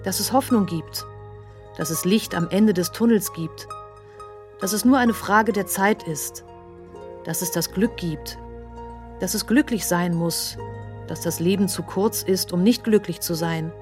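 An actress performing an outsider's literary radio monologue in short, incantatory, repeated phrases. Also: female voice, mid-range voice, measured pace, faint music behind, natural voice. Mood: pleading, tender.

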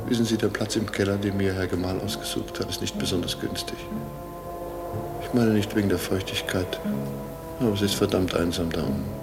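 A man's voice: sits low, steady tone, fairly quick, vocal fry, over loud music. An actor playing the ghost of a murdered man in a radio drama, suave and politely formal, mocking and insistent with macabre understatement. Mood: suave, courteous. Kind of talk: German radio drama acting.

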